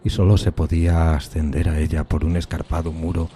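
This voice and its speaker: Man acting a deep-voiced, brooding gothic outcast. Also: level tone, dark tone, slight background noise. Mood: haunted dread. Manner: brooding, solemn, halting dramatic delivery. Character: tormented solitary outcast man recalling a decayed gothic castle. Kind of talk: dramatic gothic horror audiodrama narration. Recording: music bed behind the voice.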